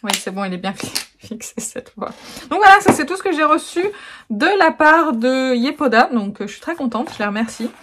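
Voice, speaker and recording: A woman's voice: high voice, animated, a little fast, a bit bright. Chatty French woman vlogging at home. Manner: chatty, laughs often, many fillers. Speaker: beauty vlogger. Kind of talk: casual vlog chat. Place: home, indoors.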